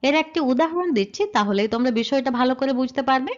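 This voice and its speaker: A woman's voice: sits high, expressive, fast talker. A woman teaching a slide-based grammar lesson. She explains step by step and asks questions that she then answers herself. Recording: dull lo-fi sound.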